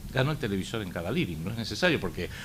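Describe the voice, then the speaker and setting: A man's pitch moves through very wide swings as audible room echo hangs around his voice. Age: 60s. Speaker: author and lecturer. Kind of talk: lecture. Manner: halting.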